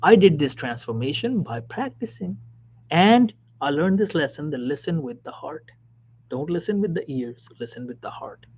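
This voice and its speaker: Emphatic man, slightly high voice, dull recording. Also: sing-song, normal speed, slightly rough. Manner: emphatic, repeats key phrases, drops suddenly to soft whispers. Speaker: physician giving career advice. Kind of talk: motivational talk.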